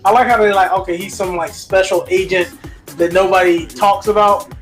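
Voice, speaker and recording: A man's voice: high voice, normal speed, soft background music. A man co-hosting a casual movie review, talking in slangy, colloquial language and acting out bits as he retells them. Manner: colloquial, slangy, animated retelling with acted-out quotes.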